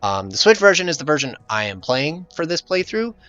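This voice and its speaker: A man's voice: on the high side, big pitch swings, brisk, fairly bright tone, lo-fi sound. A man giving casual, jokey gameplay commentary as the host of a let's play.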